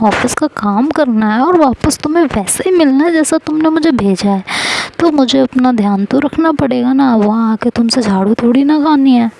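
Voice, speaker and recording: A woman's voice: sits high, moderate pace, vocal fry, mellow, poor audio. A woman voicing a caring young woman who teases and coaxes her wife over a video call, in a spoken love story. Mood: doting. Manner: coaxing and playful. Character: doting young woman partner working abroad, teasing.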